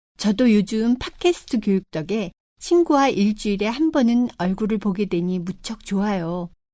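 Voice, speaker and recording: With lively intonation and a moderate pace, a woman speaks in a fairly high pitch with a dark, mellow tone. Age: 50s. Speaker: podcast co-host. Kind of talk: scripted casual talk.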